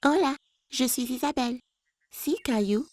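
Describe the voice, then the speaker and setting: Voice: sits high, measured pace, dry recording, studio quality. An actor voicing a bold, imaginative little girl in a children's cartoon, playful and theatrical. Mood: friendly.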